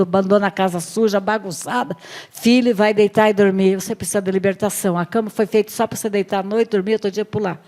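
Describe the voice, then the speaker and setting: A woman pastor with a Brazilian accent preaching to a women's service, lively and questioning the congregation. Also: mid-range voice. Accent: Brazilian Portuguese. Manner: lively, acts out Bible stories, asks the room questions.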